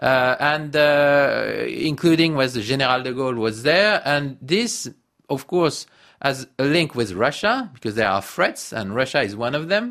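Against a quiet background, a man with a French accent speaks at a fairly slow pace with a fairly high pitch and lively intonation. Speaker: political analyst. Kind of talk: interview. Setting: studio. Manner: halting.

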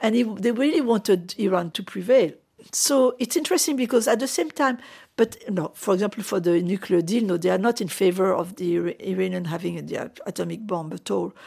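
A woman's lively, fairly quick speech with vocal fry. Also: medium pitch for a woman. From France. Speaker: journalist and novelist. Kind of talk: interview.

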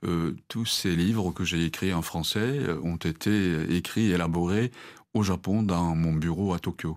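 A man with a Japanese accent speaks in a very deep, low pitch with ordinary pitch variation on a very clean recording with a silent background. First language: Japanese (speaking French). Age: 70s. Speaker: novelist and French teacher. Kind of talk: interview. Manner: halting, with many hesitations.

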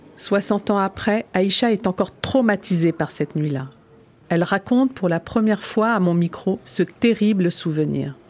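Here is a normal speaking voice from a woman with medium pitch and ordinary pitch variation. She keeps a fairly slow pace and very even loudness. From France, Versailles. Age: 50s. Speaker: podcast host and journalist. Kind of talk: scripted narration.

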